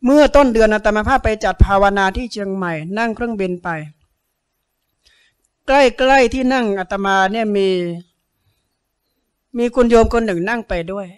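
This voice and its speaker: A man's voice: very high-pitched, moderate pace, long pauses, smooth. A Buddhist monk giving a sermon, telling stories, acting out the people in them and putting questions to his listeners. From Thailand. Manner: storytelling, acts out quoted people, asks listeners questions.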